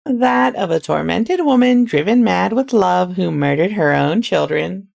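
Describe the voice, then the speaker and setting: A woman livestreamer with a creaky voice, narrating a story and dropping into casual, chatty asides. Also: fairly low pitch, expressive, a little slow, a little mellow. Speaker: livestreamer reading a story aloud.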